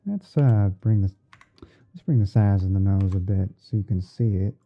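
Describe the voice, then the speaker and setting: A man with a very deep voice talks through an editing task on an ASMR stream. He is unhurried, half talking to himself as he works. The audio is narrow and muffled, like a phone line. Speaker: streamer hosting a roleplay. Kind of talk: ASMR livestream, narrating photo editing step by step.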